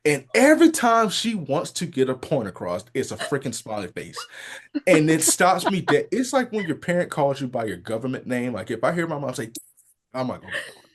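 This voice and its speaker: A man hosting a podcast interview, telling stories in a lively, laughing way. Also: medium pitch, moderate pace, husky. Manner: animated, laughing storyteller. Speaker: podcast host. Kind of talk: casual interview chat.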